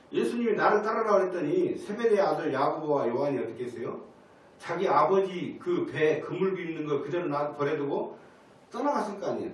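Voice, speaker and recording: A male pastor preaching a Sunday sermon and questioning the congregation. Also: sits high. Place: church sanctuary. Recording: echoey church hall from a distance.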